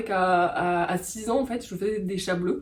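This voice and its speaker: Using ordinary pitch variation, a woman of medium pitch talks at a moderate pace. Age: 40s. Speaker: painter, former corporate lawyer. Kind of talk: interview. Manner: hesitant, many fillers.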